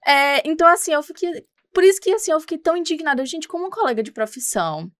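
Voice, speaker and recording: A woman's voice: high-pitched, lively intonation, quick pace, a bit bright, dry recording, studio quality. A young woman with a regional Brazilian accent, a reporter talking as a podcast guest, emphatic and indignant. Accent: Brazilian Portuguese, regional. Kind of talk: casual interview talk.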